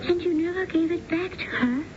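An actress playing a shrewd, skeptical mistress in a radio drama, with a teasing, sardonic and expressive delivery. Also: female voice, extremely high pitch, normal speed. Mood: probing. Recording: muffled, noisy old radio broadcast.

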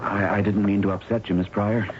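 An actor playing an earnest, friendly, awkward young doctor in a radio drama, talking in a hesitant, bumbling way. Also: male voice, fairly low pitch, flat delivery, a little fast, lightly acted. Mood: concerned. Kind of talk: 1970s radio drama acting. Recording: dull, noisy old radio recording.

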